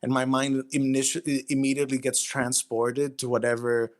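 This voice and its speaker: A man being interviewed as a writer, explaining himself casually in a thoughtful, somewhat halting way. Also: medium pitch, little pitch movement.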